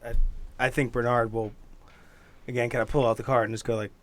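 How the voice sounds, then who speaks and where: A man's voice: medium pitch, flat delivery, a little fast. A man chatting casually as a player in a tabletop role-playing game. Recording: music behind the voice.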